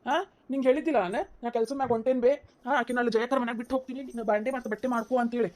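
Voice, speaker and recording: A woman's voice: a little high, fairly even intonation, rapid-fire, darkish tone, lightly acted. A woman voicing a heated young husband in a cartoon comedy, scolding and lecturing insistently, with a North Karnataka Kannada accent. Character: heated young husband defending his wife against his mother.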